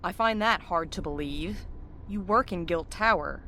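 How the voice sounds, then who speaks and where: Low-pitched, curt, sardonic woman. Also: a little slow, sharp tone, slight background noise. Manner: curt, dry, skeptical. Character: blunt, suspicious, sardonic woman. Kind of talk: audio drama dialogue.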